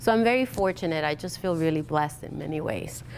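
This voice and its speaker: A woman with a Spanish accent, moderate pace and lively intonation. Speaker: nonprofit director. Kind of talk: conference presentation.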